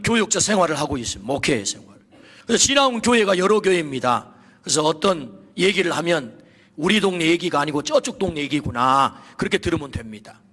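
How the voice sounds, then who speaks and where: A pastor in his fifties preaching a sermon in a church, telling stories with swings from soft to shouting. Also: sits high. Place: church sanctuary. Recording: long reverb of a church hall.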